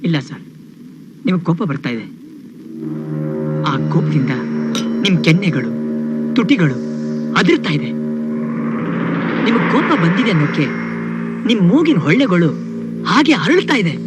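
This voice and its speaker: A man's voice: sits high, very animated, fairly quick, pauses often, over loud music. An actor playing a young male prankster who keeps needling a man, insisting that he is angry. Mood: teasing. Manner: teasing, persistent.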